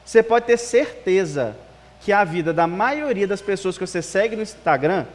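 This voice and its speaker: Preaching at normal speed with lively intonation, a high-pitched male pastor addresses his congregation in a relaxed, conversational style, peppered with rhetorical questions and "né". He hails from Espírito Santo, Brazil, yet has a Minas Gerais Brazilian Portuguese accent. The service is held in an amplified hall, recorded with noticeable reverb.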